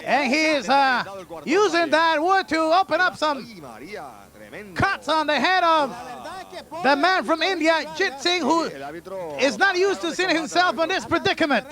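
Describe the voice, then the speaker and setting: A man calling a wrestling match play-by-play as a lucha libre announcer, with an excitable manner. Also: very high voice, a little slow, crowd noise.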